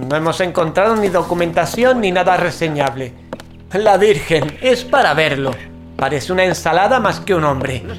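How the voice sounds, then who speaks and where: A man playing a flustered forensic examiner with grim humour in a horror audio drama. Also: high-pitched.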